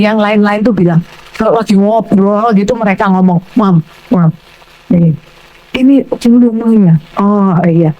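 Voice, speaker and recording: An older woman with a Surabaya Indonesian accent preaching a sermon in church, telling stories loudly and emphatically. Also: medium pitch, low-quality recording. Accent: Surabaya Javanese Indonesian. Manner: animated storytelling, loud and emphatic, acting out dialogue.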